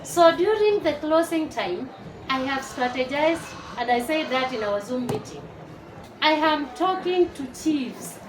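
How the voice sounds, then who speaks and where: A woman in her forties from Uganda, a teacher and network marketer, giving a lively testimonial to a live audience and rallying them to clap. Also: sits high, measured pace. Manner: lively, rallies the crowd to clap. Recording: echoey hall, far from the mic, noisy.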